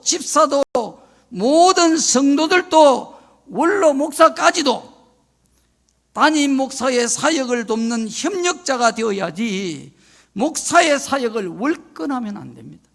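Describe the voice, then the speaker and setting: Older preacher with a high, gravelly voice. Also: male voice, a bit bright. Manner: solemn warning, emphatic lists. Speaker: retired senior pastor. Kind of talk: sermon.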